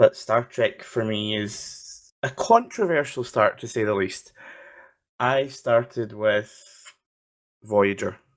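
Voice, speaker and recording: A man with a Scottish accent at a very slow pace with long, frequent pauses, in a very clean recording against a silent background. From Scotland. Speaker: podcast co-host. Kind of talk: casual chat. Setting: studio.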